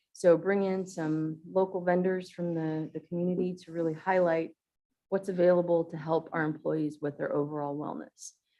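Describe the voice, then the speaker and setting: This woman has an unremarkable speaking voice, fairly low in pitch, with fairly even intonation at a moderate pace. Her loudness swings widely. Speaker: county HR or benefits staff presenter. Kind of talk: report to board meeting. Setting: county board meeting.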